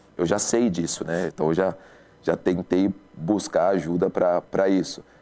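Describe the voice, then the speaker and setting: The speaker uses a dark, mellow tone at a fairly slow pace, with very even loudness and a monotone, flat intonation. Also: man, very deep, low pitch for a man. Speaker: show host and preacher. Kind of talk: interview on a talk show.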